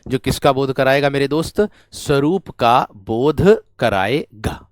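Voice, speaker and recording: Speaking slowly and expressively in a mid-range voice, a North Indian man with a Hindi accent teaches grammar for exam preparation, addressing students as friend and brave one. He goes over every point twice and makes sure they have followed. The recording is dry and studio quality.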